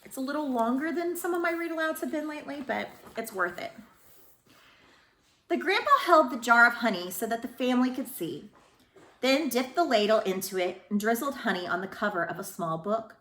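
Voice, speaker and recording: A woman speaking as a school librarian who reads storybooks aloud to children in an expressive way. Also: a little high, brisk, roomy sound. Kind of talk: storybook read-aloud with informal introduction.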